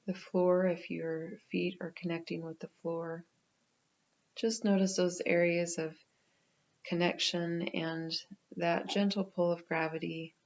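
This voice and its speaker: A woman leading a guided meditation in a gentle, unhurried manner with pauses. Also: on the low side, little pitch movement, lo-fi sound.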